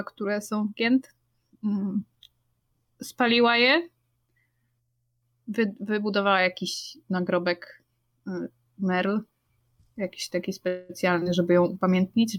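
Rambling, thoughtful woman player. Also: medium pitch. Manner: thoughtful, rambling, searching for words. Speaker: tabletop player. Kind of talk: casual chat about a tabletop campaign.

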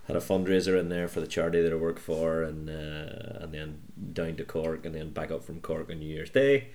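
A man's voice: a bass voice, fairly even intonation, fairly quick, darkish tone. A Northern Irish man in casual podcast chat, talking hesitantly with many ums and uhs. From Northern Ireland. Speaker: podcast co-host.

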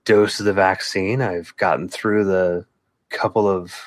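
A man hosts a casual podcast with a calm, soothing radio-style delivery. His voice sits a little low, and the recording is dry and close. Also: unhurried, dry recording. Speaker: podcast host.

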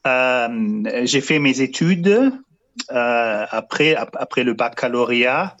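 Halting German-accented priest on radio. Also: male voice, medium pitch, expressive, a bit bright, dull audio. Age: 50s. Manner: halting, searching for words with many fillers and restarts. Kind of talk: radio interview answers.

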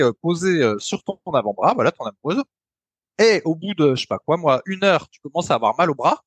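A man's voice: on the high side, a bit bright, no echo. A man co-hosting a podcast, explaining in a casual chatty way with many hesitant fillers. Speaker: podcast co-host.

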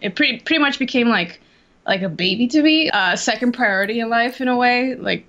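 A woman's voice: on the high side, fairly quick, fairly bright tone, muffled recording. A young woman from Costa Rica, chatting casually as an interview guest over a video call, full of fillers and restarts. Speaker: interview guest, Twitch drummer.

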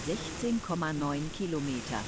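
A woman's voice: sits low, expressive, moderate pace, noisy background. A woman playing an impersonal announcer who calls out distances in a radio play, in clipped, neutral phrases. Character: impersonal female announcer counting down tunnel distances.

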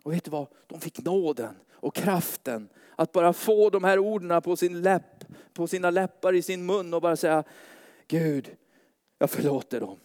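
A man's voice: high-pitched, smooth. A man preaching at a church meeting and praying aloud with fervent, rising intensity. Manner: fervent, rising to loud pleading prayer. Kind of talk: sermon and spoken prayer.

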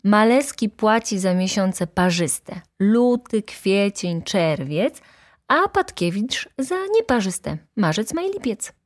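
A woman voicing a hot-tempered, indignant poor young male student who shouts in outrage. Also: medium pitch, very animated, slow pace, pitched above the performer's own voice.

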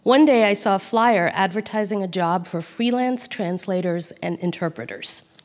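A woman from Calcutta whose first language is Bengali, reading aloud from her own memoir in a measured, quiet voice. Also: medium pitch. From Calcutta, India. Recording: long hall reverb.

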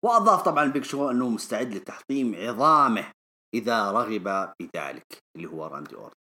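Animated quick-talking man. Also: lowish voice. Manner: animated storyteller, acts out quoted lines. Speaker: podcast host. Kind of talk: wrestling show recap.

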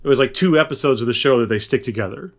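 A man with a medium-pitched voice co-hosts a casual podcast. He talks in a loose, rambling way and offers his opinions conversationally, as if catching up with a friend. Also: rapid-fire. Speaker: podcast co-host. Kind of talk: casual chat.

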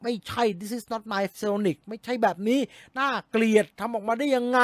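High-voiced chatty male movie host. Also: no room sound, studio quality. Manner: chatty, quick jumps into excited exclamations. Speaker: movie news show host. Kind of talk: casual movie news recap.

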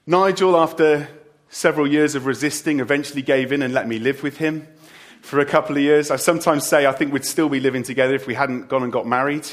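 A man's voice: mid-range voice, fairly even intonation, fast talker. A middle-aged man preaching a farewell sermon as a church leader, with joking asides to the congregation. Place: church service.

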